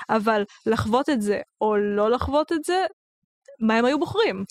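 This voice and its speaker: A woman's voice: a little high, animated. A young woman co-hosting a casual book-discussion podcast, thinking aloud in a reflective way. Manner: thoughtful, talks through ideas with many fillers. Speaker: podcast co-host.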